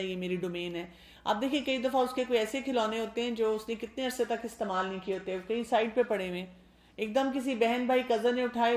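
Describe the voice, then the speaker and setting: A middle-aged woman doctor giving parenting advice in a calm, explanatory way, often asking rhetorical questions. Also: mid-range voice, reverberant. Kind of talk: parenting talk to mothers.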